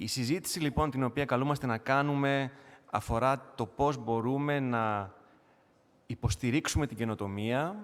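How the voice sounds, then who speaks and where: Talking at a very fast pace, a man with a Greek accent uses lively intonation at a medium pitch. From Greece. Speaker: pharmaceutical executive. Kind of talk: conference presentation. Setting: conference hall.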